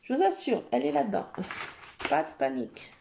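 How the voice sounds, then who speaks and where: A woman's voice: fairly high pitch, wildly swooping pitch, brisk, gravelly, a little mellow, slight background noise. A woman, chatting playfully to viewers while she works on a scrapbook page. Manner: talks to viewers while working, playful, self-mocking. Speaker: scrapbooking vlogger. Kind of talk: chatty talk while crafting.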